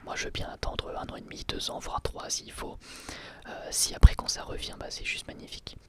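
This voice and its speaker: A man giving a whispered ASMR review, talking in a relaxed, rambling way with hesitant restarts. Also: brisk. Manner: soft unvoiced whisper throughout.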